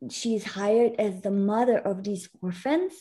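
A guest educator from Italy, native in German, talks earnestly in a conversational interview, explaining with many restarts. She has a mid-range, dark-toned voice and speaks a little slowly.

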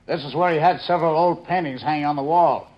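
Man playing a high-voiced analytical investigator. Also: fast talker, slight background noise, natural voice. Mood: insistent. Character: insistent, analytical male police investigator. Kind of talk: 1950s radio drama acting. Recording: dull lo-fi old radio recording.

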